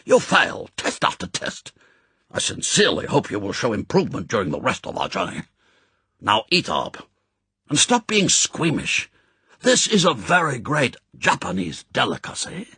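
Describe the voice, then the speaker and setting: A man's voice: mid-range voice, huge pitch swings, normal speed, gravelly, bright, forceful tone, slightly rough, dry recording, exaggerated voice. A man voicing a proud Japanese spymaster in an audiobook, formal and courtly, zealous and sternly gracious. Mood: stern, impatient. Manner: formal, stilted, courtly phrasing.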